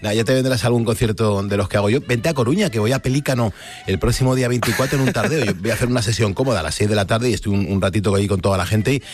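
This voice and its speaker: A man's voice: on the low side, very fast. A man from Spain hosting a radio show, upbeat and enthusiastic in his banter. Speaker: radio host and DJ.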